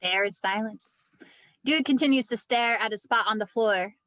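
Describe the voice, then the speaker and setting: A woman's voice: a little high, moderate pace, fairly bright tone, no room sound, low-quality recording. A woman narrating stage directions from a script at a table read.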